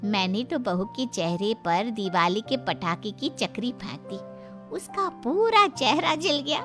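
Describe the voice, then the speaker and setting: A woman's voice: on the high side, lively intonation, a little slow, soft background music. A woman voicing a scheming middle-aged friend who gloats slyly. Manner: gloating, sly.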